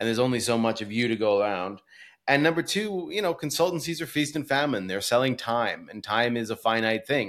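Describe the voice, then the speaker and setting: Against a very clean, silent background, a man with a North American accent and a plain, everyday voice talks at a fairly quick pace, medium in pitch with lively intonation. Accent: North American, non-European. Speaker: startup CEO. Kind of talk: casual interview.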